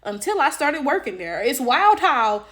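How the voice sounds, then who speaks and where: A woman's voice: sits high, big pitch swings, a little slow, a bit bright. A woman, giving casual, emphatic commentary with sassy slang and rhetorical check-ins. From Detroit, United States. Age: late 20s. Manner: blunt, sassy, slangy, swearing. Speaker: social media commentator. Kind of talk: casual opinionated commentary to camera.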